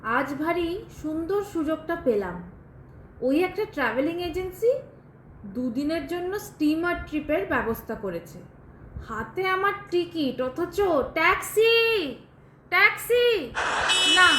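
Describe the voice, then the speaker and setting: A woman's voice: very high voice, big pitch swings, a little slow, pauses often, pushed and bright, heavily acted. A woman acting a bitter, scarred, lonely schoolteacher in a theatrical Bengali audio drama, confiding in the listener with prickly impatience. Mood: exasperated, urgent. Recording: roomy echo, faint noise behind.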